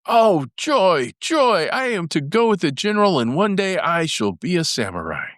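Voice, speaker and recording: A man voicing an eager young boy hero in a storybook, exclaiming with excitement. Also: moderate pace, dry recording, clean studio sound. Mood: overjoyed. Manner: exclaiming, high-pitched. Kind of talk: storybook character voice.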